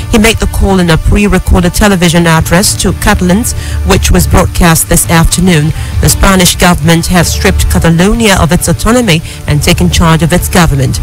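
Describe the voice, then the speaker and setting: A woman with a Nigerian accent reads scripted radio news as an anchor, in a formal, measured way. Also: lowish voice, rough recording. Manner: formal, measured newsreader delivery.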